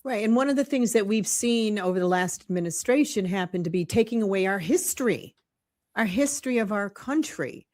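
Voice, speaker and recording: A woman's voice: medium pitch, expressive, brisk, darkish tone. A woman hosting a political interview, asking supportive, leading questions. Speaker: host.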